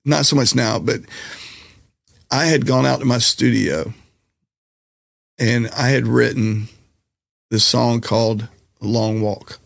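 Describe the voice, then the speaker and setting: A middle-aged man, a musician and comedian, talking candidly on a podcast in a slightly raspy voice, mixing jokes with reflection. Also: medium pitch, steady tone, takes it slowly, long pauses, dry recording, clean studio sound. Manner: candid, reflective, jokey storyteller. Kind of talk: casual conversational interview.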